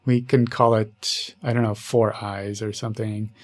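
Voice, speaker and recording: A man's voice: fairly low pitch, level tone, a little slow. A man co-hosting a podcast, chatting casually and putting questions to others. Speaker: podcast co-host asking questions. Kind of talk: casual chat.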